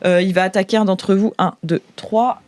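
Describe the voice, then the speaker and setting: A woman's voice: medium pitch, fairly even intonation, moderate pace, darkish tone, a little hiss or hum. A woman improvising narration as a game master, playful and theatrical, bantering with her players.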